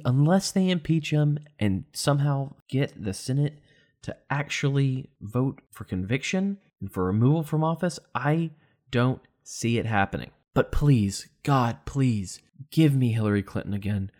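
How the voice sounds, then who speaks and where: A man's voice: mid-range voice, warm tone. A young man hosting a solo commentary podcast, talking in a sarcastic, emphatic, ranting way. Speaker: podcast host.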